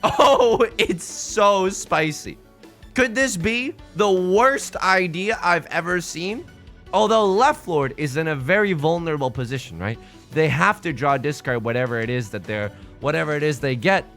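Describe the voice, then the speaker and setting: A man streaming live, chatting casually with viewers in an animated, jokey way, often restarting and repeating his words. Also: a little high, unhurried, soft background music.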